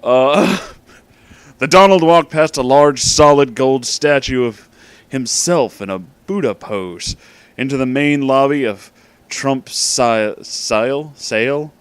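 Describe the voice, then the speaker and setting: A man's voice: medium pitch, takes it slowly, clear, resonant tone, no room sound. A man hosting in a casual, informal way, with emphatic, dramatic delivery. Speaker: host reading fan fiction aloud. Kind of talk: casual comedic storytelling.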